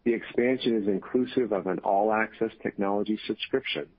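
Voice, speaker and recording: Over a narrow, muffled telephone connection, a man delivers scripted financial remarks as a company executive. His voice sits fairly low and is somewhat husky. He reads in a formal, measured manner. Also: fairly even intonation. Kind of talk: scripted earnings call remarks. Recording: tinny, muffled phone conference line.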